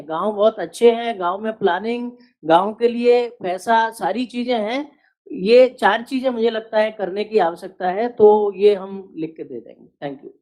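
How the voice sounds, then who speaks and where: Mellow-voiced woman making meeting remarks. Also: medium pitch. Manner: measured, lists points one by one. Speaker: workshop participant.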